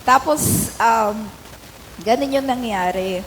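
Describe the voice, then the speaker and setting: A middle-aged woman giving a personal testimony in a church hall, telling her story conversationally with halting fillers. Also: fairly high pitch. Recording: echoey hall with faint ambient noise.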